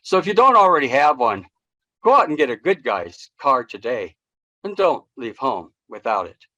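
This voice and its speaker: A middle-aged American man tells a humorous story as a prepared speech. His voice sits at a medium pitch. The sound is dry, with very little room echo, on a video call. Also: sing-song, normal speed, pushed and bright. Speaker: speech contest speaker. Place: small room indoors.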